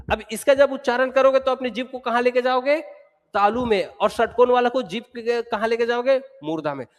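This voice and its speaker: A male teacher giving an exam-prep lecture, explaining step by step and repeating sounds aloud to drill them. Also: high-pitched. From Chhattisgarh, India. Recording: long hall reverb.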